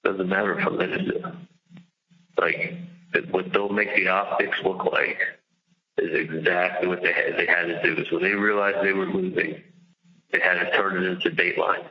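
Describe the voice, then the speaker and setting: Low-voiced agitated man on muffled phone call. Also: flat delivery, moderate pace, gravelly, a little hiss or hum. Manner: agitated, emphatic, repeats himself. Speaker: jailed caller on a recorded phone call. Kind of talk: casual, profane phone venting. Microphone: telephone. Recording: dull lo-fi recorded jail phone call.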